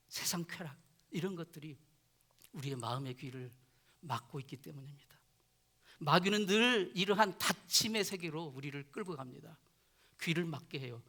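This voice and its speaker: Male pastor, high bright voice, earnest sermon delivery, phrases trailing off soft. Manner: earnest preaching, voice dropping soft at phrase ends. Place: church chapel.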